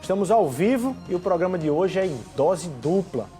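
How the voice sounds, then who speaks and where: A man's voice: high-pitched, animated, normal speed, mellow, faint music behind. A man presenting a live political interview show as its host.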